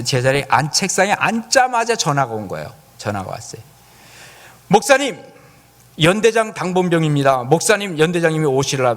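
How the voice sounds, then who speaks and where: A male pastor preaching in a church, telling a lively personal story and asking the congregation questions. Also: medium pitch. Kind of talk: sermon.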